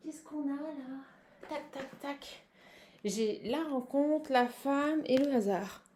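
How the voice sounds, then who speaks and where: A woman's voice: high voice, takes it slowly, darkish tone, slight background noise. A woman with a Parisian French accent giving a casual improvised card reading to viewers, chatty and exclamatory, repeating herself and breaking off mid-thought. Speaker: tarot card reader and channel host.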